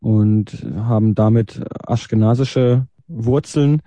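A man's voice: mid-range voice, takes it slowly, warm tone, dry recording. Hesitant German man in his thirties. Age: 30s. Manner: hesitant, thinks aloud with fillers. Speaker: guest. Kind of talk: interview answers.

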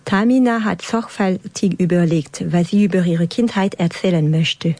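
Low-voiced woman reading radio script. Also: normal speed, dark tone, dry recording. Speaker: radio host. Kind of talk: scripted community radio narration.

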